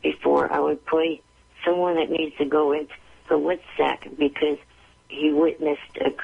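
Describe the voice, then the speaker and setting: A man calling a radio show, with a gravelly, creaky voice and a blunt, stubborn, halting way of talking. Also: on the high side, little pitch movement. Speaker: regular phone-in caller. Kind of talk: phone-in talk. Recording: lo-fi telephone line.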